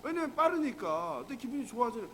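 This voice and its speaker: Male pastor, high and animated, chatty sermon full of questions to the room, faint noise under it. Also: fairly quick, rough recording. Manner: conversational, asks the congregation rhetorical questions. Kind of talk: early morning prayer sermon.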